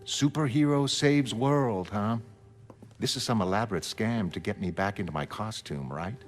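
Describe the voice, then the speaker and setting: A man's voice: on the low side, moderate pace, close to an everyday voice. A man voicing an exasperated, sarcastic young woman, a former heroine. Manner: sarcastic, scoffing. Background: music.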